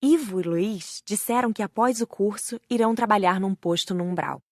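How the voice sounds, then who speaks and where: Woman, Brazilian accent, scripted story narration, medium pitch, very dry recording. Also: normal speed, no room sound. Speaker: audiobook narrator.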